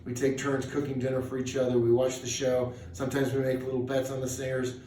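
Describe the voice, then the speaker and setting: A man's voice: medium pitch, completely flat delivery, a little fast, mellow. A middle-aged man from New Mexico, talking in a folksy, conversational way as he introduces himself. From southeast New Mexico, United States. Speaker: singer and charity auctioneer. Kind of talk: personal video introduction, casual monologue. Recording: roomy, distant mic with hiss.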